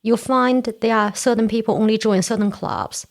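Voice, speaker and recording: This casual interview features a Toastmasters area director in her forties, a woman from China whose native language is Korean. She talks at normal speed in a fairly high, gravelly voice, earnestly laying out her points step by step as a podcast guest.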